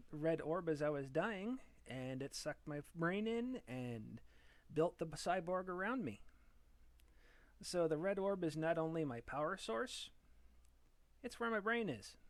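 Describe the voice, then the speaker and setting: A man's voice: on the high side, no echo. A man chatting casually on a live stream, thinking aloud and chuckling as he tinkers with his setup at home. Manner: relaxed, chuckling, thinks aloud while fiddling with software. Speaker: vTuber streamer. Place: home room.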